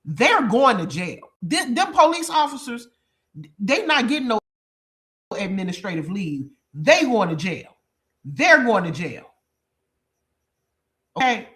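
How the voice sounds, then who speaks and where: Commenting on a true crime case, this stuffy, sniffling reaction host speaks emphatically, going over points again and explaining them to the audience. The mid-range voice is very animated and a bit bright, a little slow, with long pauses.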